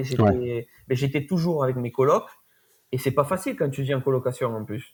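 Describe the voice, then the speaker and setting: A man speaks at a moderate pace with a southern French accent, his voice somewhat breathy. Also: medium pitch for a man, ordinary pitch variation. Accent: southern French, sing-song. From southwest France (Tarn). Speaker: tour guide. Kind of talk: podcast interview answer. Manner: cheerful.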